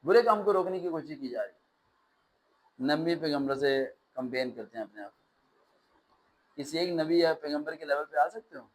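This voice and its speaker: A man's voice: on the high side, normal speed, long pauses, low-quality recording. Ranting male teacher. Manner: animated, ranting with sarcastic asides. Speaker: test-prep teacher. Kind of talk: classroom lecture.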